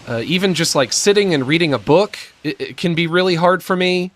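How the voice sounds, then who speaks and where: Male streamer, squeaky and breathless; slurred, lisping delivery with stammers, slow self-mocking pace. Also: expressive, fairly bright tone, slight background noise. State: short of breath, gasping before sentences. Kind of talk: prerecorded monologue.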